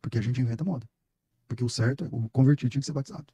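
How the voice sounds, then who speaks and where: Middle-aged Brazilian pastor as guest, quick and emphatic, warm husky tone. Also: male voice, mid-range voice, no room sound. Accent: Brazilian Portuguese. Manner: emphatic, storytelling, preacher-like. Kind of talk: casual podcast conversation.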